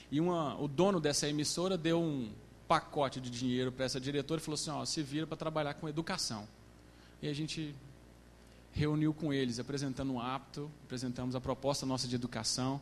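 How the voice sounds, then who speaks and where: A man rattles along at a very fast pace, his pitch fairly high and his intonation fairly even. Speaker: missionary. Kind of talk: testimony.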